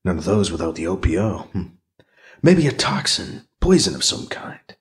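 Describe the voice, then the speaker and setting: A man's voice: low voice, big pitch swings, moderate pace, voice pushed down. A man voicing a suspicious, sarcastic male Catholic priest with a wary, sardonic, terse way of talking, in a science fiction audiobook. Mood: wary, muttering.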